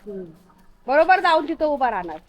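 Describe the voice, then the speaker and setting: A woman's voice: high-pitched, sing-song, brisk. A woman vlogging outdoors, chatting casually and coaxing animals along the street. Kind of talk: casual outdoor vlog chat.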